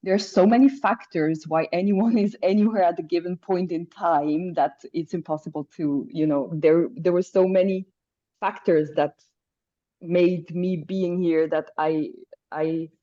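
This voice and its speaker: German woman, non-native English, halting and searching for words, warm tone, muffled video call. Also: lowish voice, steady tone. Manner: hesitant, searching for words, laughs lightly. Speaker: caller. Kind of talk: casual group video call.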